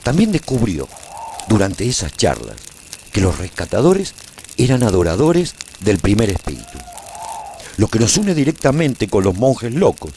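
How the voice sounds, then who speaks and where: A man's voice: on the low side, huge pitch swings, measured pace, dark tone, slight background noise, heavily acted. A male actor playing a weary, nostalgic warrior who survived the end of the world, narrating his saga in a solemn, theatrical radio drama style. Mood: grave, mysterious. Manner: solemn, brooding, theatrical delivery. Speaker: narrator and protagonist of a radio serial.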